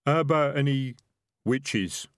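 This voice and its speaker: A man voicing a wary, slightly dim storybook highwayman who talks in a chatty, plodding, matter-of-fact way. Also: takes it slowly, no room sound, clean studio sound, lightly acted. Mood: wary, methodical.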